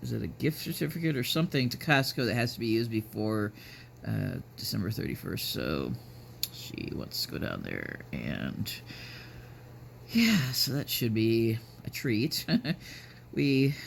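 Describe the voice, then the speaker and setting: A man in his fifties vlogging casually, talking in a halting, musing, rambling way. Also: medium pitch, creaky. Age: 50s. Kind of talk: casual chat. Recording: noticeable background noise.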